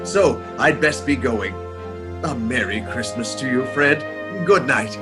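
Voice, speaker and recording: A man's voice: mid-range voice, a little slow, music in the background, close to an everyday voice. Man playing a jubilant reformed old miser. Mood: joyful, humble. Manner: exclamatory, chuckling, repeats himself for emphasis. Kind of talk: theatrical radio play acting.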